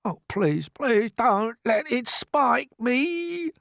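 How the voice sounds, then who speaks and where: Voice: mid-range voice, a bit bright, no room sound, studio quality, voice pushed up, lightly acted. A storybook narrator voicing a timid earthworm who begs and wails in fear. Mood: pleading. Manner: wailing, pleading, slow. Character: timid whining earthworm, fearful and fussy.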